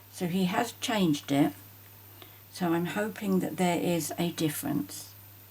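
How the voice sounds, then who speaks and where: A soft-spoken woman with a fairly low pitch and vocal fry talks at a fairly slow pace. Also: lively intonation. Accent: British. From UK. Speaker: craft tutorial host. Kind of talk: tutorial.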